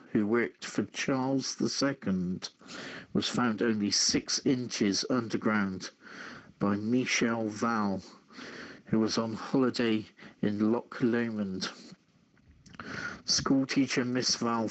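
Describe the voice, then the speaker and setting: A man hosting a radio show, reading news stories informally in a halting way, stumbling and repeating words. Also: lowish voice, rough recording.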